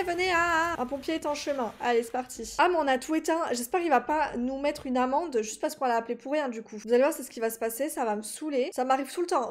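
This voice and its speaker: A woman in her twenties doing casual, animated let's play commentary, exclaiming and laughing at the game. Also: on the high side. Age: 20s.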